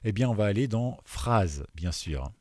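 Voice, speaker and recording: A man with a low, mellow voice walks beginners through a coding exercise, pausing with fillers and asking if they follow. His voice goes quieter as he types. The sound is dry and close, with keyboard clicks behind. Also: animated, no room sound. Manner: explains step by step, often checks in with "d'accord?"; many fillers, trails off quieter while typing. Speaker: programming teacher. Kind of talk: screen-recorded coding tutorial. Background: keyboard typing.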